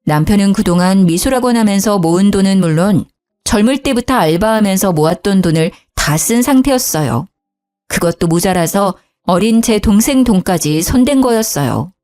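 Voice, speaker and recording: A woman's voice: medium pitch, expressive, normal speed, warm tone. A woman in her thirties narrating her own story in the first person, in an emotional storytelling manner. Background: faint background music.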